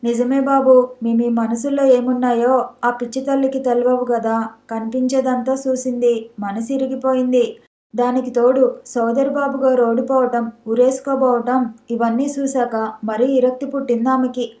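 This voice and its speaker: A woman's voice: high-pitched, little pitch movement, normal speed, dark tone, roomy sound, close to an everyday voice. A woman voicing a frank, earnest village maidservant who speaks in rustic village dialect. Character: village maidservant, middle-aged, earnest and blunt.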